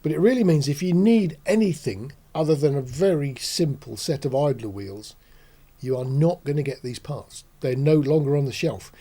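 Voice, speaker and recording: A man in his sixties hosting a casual explanatory talk in a measured, reflective, matter-of-fact way. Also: a little high, warm tone. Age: 60s. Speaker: host. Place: small indoor studio.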